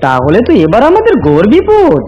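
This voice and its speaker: A man voicing a worried, soothing fox husband in an animated fable, pleading and expressive. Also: high-pitched, fairly quick, muffled recording, a crowd in the background. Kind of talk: animated fable character acting.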